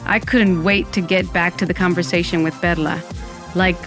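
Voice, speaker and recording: A woman's voice: lowish voice, fairly even intonation, moderate pace, natural voice. A woman playing a wry undead Latina who narrates her own story with dramatic flair in a comic audio drama. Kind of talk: first-person comic audio fiction narration. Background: music.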